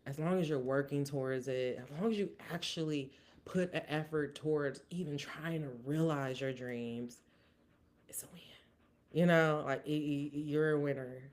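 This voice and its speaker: A woman's voice: sits low, moderate pace, a little mellow. Earnest woman podcast host. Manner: earnest, motivational, thinks aloud with restarts. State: briefly emotional. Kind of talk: casual solo podcast recap.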